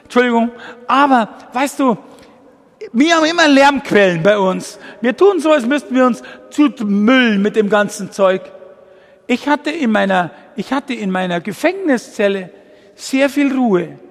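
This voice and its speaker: High, gravelly man in his sixties preaching. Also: a little slow, long reverb tail. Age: 60s. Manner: energetic, addresses listeners directly as du, digressive. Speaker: guest preacher. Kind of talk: personal testimony sermon. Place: church.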